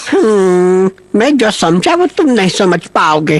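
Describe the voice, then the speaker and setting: This is a put-on character voice that sounds female. It sits at a middle pitch and moves fairly slowly. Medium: fan dub. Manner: pompous, cryptic.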